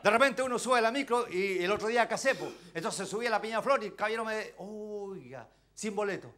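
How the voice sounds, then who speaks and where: Chilean-accented male preacher, high-pitched, impassioned sermon that swings between shouting and near-whispers. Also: fast talker. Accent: Chilean Spanish. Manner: calls out to the congregation with rhetorical questions. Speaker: pastor.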